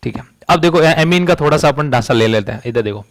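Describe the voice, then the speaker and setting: Higher-pitched male chemistry teacher. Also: lively intonation, fast. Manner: rhetorical questions, frequent "समझ रही बात?". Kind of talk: classroom lecture.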